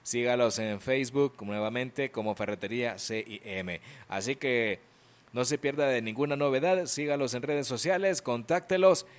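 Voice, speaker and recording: A man's voice: medium pitch, normal speed. A young Salvadoran man hosting an afternoon radio show, chatting, reading listener greetings and ads while fighting a cold and sore throat. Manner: chatty, self-joking, reads listener messages. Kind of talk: casual radio chat and read ads. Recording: radio broadcast with music behind.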